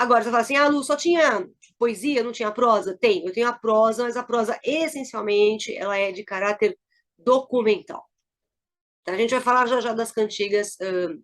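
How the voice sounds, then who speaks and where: A middle-aged woman teacher with a Brazilian Portuguese accent, explaining a lesson and checking in often with her listeners. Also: a little high. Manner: explanatory, checks in with frequent tags. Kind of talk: recorded lesson review.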